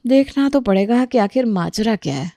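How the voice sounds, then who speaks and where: A woman's voice: fairly high pitch, animated, moderate pace, dark tone, no echo. A woman voicing a clever young mother who coaxes her family in a sugary but firm way. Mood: suspicious. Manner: sugary coaxing with a stern edge. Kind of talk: storybook voice acting.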